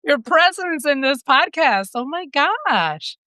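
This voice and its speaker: A woman's voice: high-pitched, sing-song, slow pace, sharp tone, no echo, clean studio sound. A woman hosting a podcast interview, reacting often with short affirmations and encouraging her guest. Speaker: podcast host. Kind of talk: casual interview.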